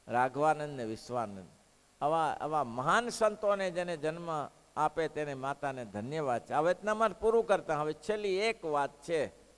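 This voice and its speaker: A man preaching a devotional sermon, telling a story in an animated way and putting questions to the listeners. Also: fairly high pitch. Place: hall of a religious school. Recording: echoey hall.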